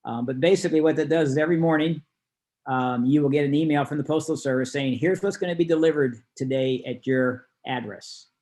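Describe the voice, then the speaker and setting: A man's voice: on the high side, a little fast, a little mellow. Man teaching an informal online class. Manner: conversational, explanatory. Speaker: class instructor. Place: online video call.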